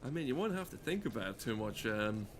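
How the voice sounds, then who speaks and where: A man's voice: medium pitch, very animated, fast, noisy background. A man giving casual, rambling gameplay commentary in a sardonic, exasperated and sweary way. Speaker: game streamer.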